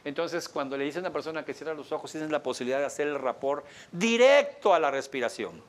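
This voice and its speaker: Animated man teaching a workshop. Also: fast. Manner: animated, acts out client lines in a higher voice; asks the audience questions. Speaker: coaching instructor. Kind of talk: live coaching workshop lecture.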